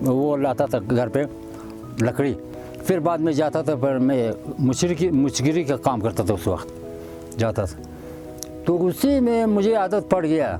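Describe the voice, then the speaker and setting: Over music in the background, a man of medium pitch speaks with very wide pitch swings and very even loudness. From Quetta, Pakistan. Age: 80s+. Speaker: mountaineer. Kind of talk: interview answer. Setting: outdoors.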